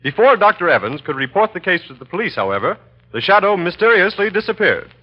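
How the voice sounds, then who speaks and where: A male announcer reading commercials and bulletins in crisp, emphatic 1930s radio style. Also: high voice, big pitch swings, fast. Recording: dull old radio recording.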